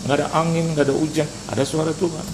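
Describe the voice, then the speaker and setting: Gravelly middle-aged pastor preaching, voice jumps all over, noisy recording. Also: male voice, fairly high pitch, very fast. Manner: animated preacher who acts out dialogues and drops English phrases. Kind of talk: sermon. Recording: noisy live sermon recording.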